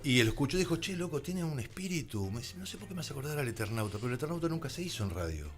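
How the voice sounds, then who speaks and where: A man's voice: medium pitch, big pitch swings, racing, faint music behind. An Argentine man telling stories conversationally as a radio interview guest, slipping into reported dialogue as he goes. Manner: anecdotal, acts out reported dialogue. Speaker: guest, radio drama creator.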